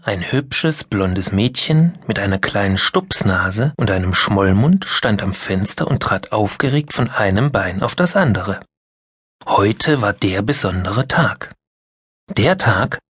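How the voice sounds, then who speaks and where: A man narrating a children's Christmas story in an expressive storytelling manner. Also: lowish voice, measured pace, hardly any pauses, breathy edge, no echo, clean studio sound. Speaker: audiobook narrator.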